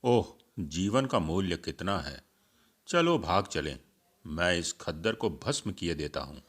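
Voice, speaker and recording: A man's voice: low-pitched, very animated, slow, a bit bright, full character voice. A man voicing a disillusioned young male activist in a story reading, giving curt, dismissive replies.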